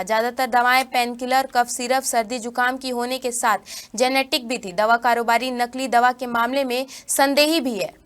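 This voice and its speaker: A woman news anchor reading a regional bulletin in a formal, steady manner. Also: high voice, clear, resonant tone. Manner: formal, steady headline delivery.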